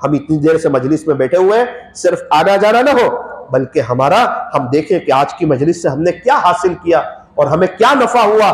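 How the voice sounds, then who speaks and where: A man giving a sermon at a religious gathering, telling a story and voicing its characters in quoted lines. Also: a little high. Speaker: Islamic preacher. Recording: echoey room.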